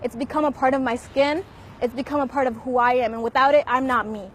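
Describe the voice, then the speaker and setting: A young woman answers with lively, sarcastic animation. Her voice sits fairly high. She speaks outdoors with a faint hum of noise around her. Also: fast. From born in Pakistan, raised in the United States. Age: young adult. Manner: animated, mimics others' questions with sarcasm. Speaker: university student interviewee. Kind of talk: candid interview answers.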